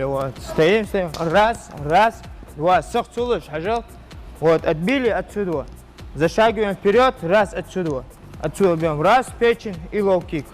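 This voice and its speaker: A male coach with a slightly raised voice speaks in a training gym while music plays clearly behind him. He calls out counts and clipped drill commands, and when answering questions he pauses often on drawn-out fillers. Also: high voice. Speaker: martial arts coach. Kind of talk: drilling fighters, then interview answers.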